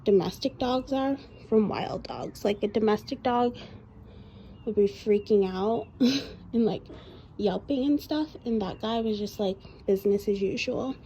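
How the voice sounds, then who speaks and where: A woman's voice: mid-range voice, a little slow, warm tone, poor audio. A woman vlogging in a casual, chatty, informal way, peppering her talk with "like". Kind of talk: casual chat to camera. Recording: clear background noise.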